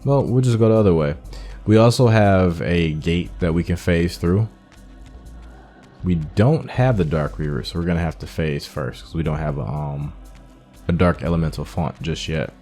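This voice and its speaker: A man's voice: sits low, moderate pace, mellow, soft background music. A man giving casual let's-play commentary on a video game, musing aloud as he talks through each step. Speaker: gaming streamer playing through a video game.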